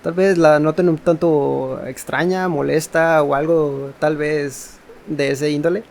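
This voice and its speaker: A man's voice: on the high side, fairly even intonation, normal speed, vocal fry, a little mellow. A man giving casual, musing commentary as he plays a game. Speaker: gaming streamer.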